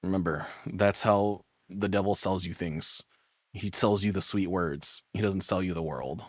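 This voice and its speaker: A man's voice: low-pitched, unhurried, no echo, clean studio sound. A man streamer giving casual, musing reaction commentary with sighs and sweary asides. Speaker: streamer and host of reaction videos.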